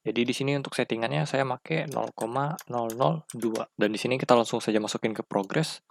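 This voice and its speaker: A man with an Indonesian accent giving a casual, step-by-step software tutorial and addressing viewers informally as friends. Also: mid-range voice, creaky. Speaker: tutorial presenter.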